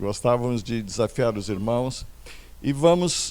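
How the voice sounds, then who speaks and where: A man is speaking. His pace is very slow. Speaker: guest preacher. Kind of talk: church announcements; sermon. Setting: church.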